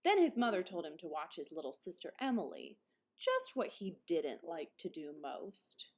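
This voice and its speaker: A woman's voice: lowish voice, wildly swooping pitch, normal speed. A woman reading picture books aloud as a teacher would to her class. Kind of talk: children's story read-aloud.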